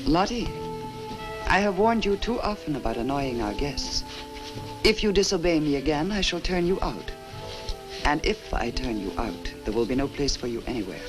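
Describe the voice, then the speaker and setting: Casting: coldly polite, commanding hotel keeper, vintage horror picture, very mobile intonation, prominent score behind. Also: female voice, low-pitched, very animated. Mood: stern, menacing. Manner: formal, measured, coolly polite. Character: stern, controlled woman innkeeper in a horror film. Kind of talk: 1960 horror film acting. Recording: old film soundtrack with loud music.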